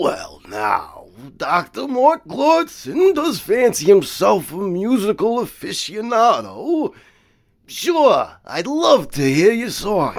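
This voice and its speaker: A man uses a put-on character voice at an extremely high pitch and a very slow pace. The recording is very clean, with a silent background. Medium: audio drama. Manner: pompous, officious.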